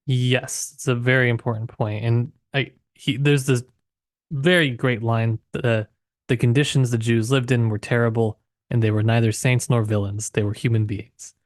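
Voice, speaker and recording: A man co-hosting a podcast, talking through literature casually in a reflective, halting way. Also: medium pitch, steady tone, dry recording, clean studio sound. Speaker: podcast co-host.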